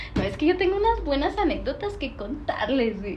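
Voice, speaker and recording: With a Mexican accent, a woman speaks in an animated tone at a moderate pace. Her pitch swings very widely, over light background noise. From Mexico. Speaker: gaming streamer. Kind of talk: casual chat. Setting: live stream. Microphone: phone near.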